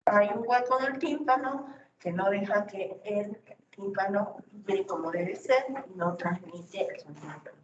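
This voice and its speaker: A woman giving a university lecture, explaining step by step and often checking in with rhetorical questions. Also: mid-range voice. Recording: distant, roomy, dull lo-fi recording with faint noise.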